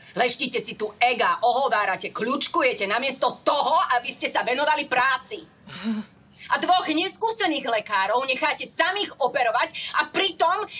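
Her pitch swings very widely in a raised, projected voice. The woman keeps a moderate pace. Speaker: actress playing a hospital director. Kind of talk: scripted drama dialogue, scolding. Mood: angry, reproachful. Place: office.

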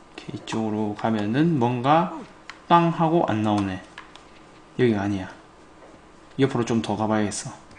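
A man of medium pitch speaks at a moderate pace with lively intonation, pausing long and often. Audible room echo and noticeable background noise are present. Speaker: game streamer. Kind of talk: live gameplay commentary. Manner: animated; loud.

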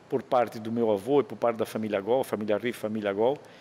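The voice belongs to a man. His intonation is fairly even. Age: 50s. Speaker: city councillor; elected city councillor. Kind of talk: interview. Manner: halting, with repetitions and fillers. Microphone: podium.

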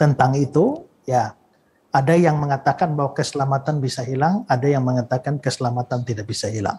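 This man's voice is somewhat breathy. He talks at a fairly quick pace. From Indonesia. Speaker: pastor. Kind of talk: testimony and Bible teaching interview. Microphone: webcam.

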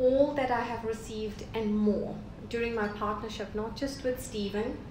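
A woman at a fairly slow pace with fairly even intonation, audible room echo and light background noise. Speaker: speaker. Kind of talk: speech telling a personal story. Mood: warm, humorous. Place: hall. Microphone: podium.

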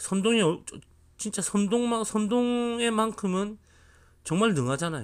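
Speech moves at a fairly slow pace. The background is silent, and the recording is very clean. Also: man. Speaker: political commentary YouTuber. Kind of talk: political commentary monologue. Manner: frequent filler hesitations.

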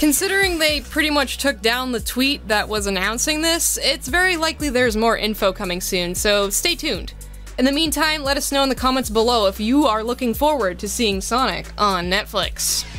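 A woman at a fairly quick pace with hardly any pauses, music in the background. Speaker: voiceover narrator. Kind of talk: news update narration.

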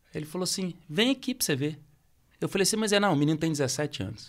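A man talks very fast against a quiet background. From Brazil. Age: 30s. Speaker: country singer. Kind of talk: casual interview chat. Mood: reflective, warm. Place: studio. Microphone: studio mic.

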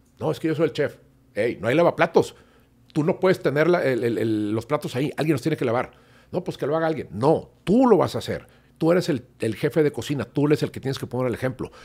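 With lively intonation, a man talks at a very fast pace and a fairly high pitch. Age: 50s. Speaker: chef; guest. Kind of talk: casual chat. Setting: restaurant. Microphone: studio mic.

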